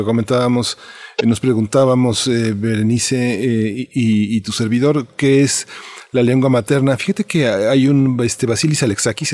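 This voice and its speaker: Mexican radio guy, middle pitch, dry close mic, rambles with lots of ehs. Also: a little mellow, dry recording. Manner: rambling, fills with "eh" and "este". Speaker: radio co-host. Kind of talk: radio news and talk.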